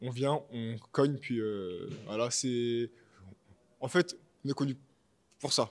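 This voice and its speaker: A man speaks very slowly at a medium pitch. His intonation stays fairly even. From France. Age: 20s. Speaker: MMA fighter. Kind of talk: interview. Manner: halting.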